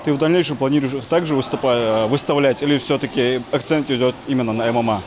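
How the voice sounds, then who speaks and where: A male TV reporter fires off quick interview questions at a mid-range pitch. He leads his guest and often closes with a tag question, with clear noise running behind him. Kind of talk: news interview.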